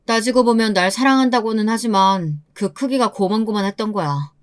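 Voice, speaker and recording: A woman's voice: mid-range voice, a little fast, natural voice. A woman voicing a pushy, stingy man in his late thirties who nags and reproaches his partner in a radio-style story. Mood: reproachful. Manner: reproachful, nagging.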